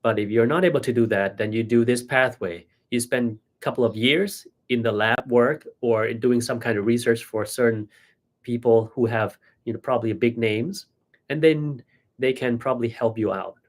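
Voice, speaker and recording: A man hosting a live question-and-answer chat, explaining things in a relaxed way with everyday examples. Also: medium pitch, normal speed. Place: hospital setting, indoors.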